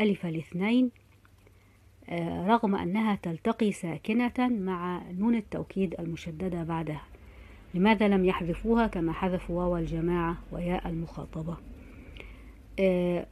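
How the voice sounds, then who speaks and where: A woman teaching an Arabic grammar lesson, explaining step by step and saying example words slowly and carefully, with frequent hesitations. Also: fairly low pitch, mellow. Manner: methodical, says example verb forms slowly and carefully.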